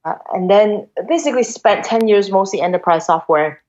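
In a casual interview, a guest investor from Hong Kong, a woman in her forties, chats through her story in a medium-pitched, darkish voice at a moderate pace. She uses many fillers and keeps restarting sentences. The audio is dull and lo-fi.

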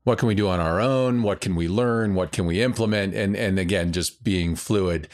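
Male interviewer, deep voice, calm and measured. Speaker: podcast host.

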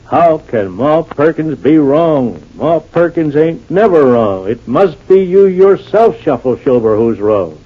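A folksy country man, slow drawl. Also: fairly high pitch, sing-song, full character voice. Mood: musing. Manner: drawling country dialect, talks to himself. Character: folksy rural man musing to himself. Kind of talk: 1940s radio acting. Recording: dull old radio transcription.

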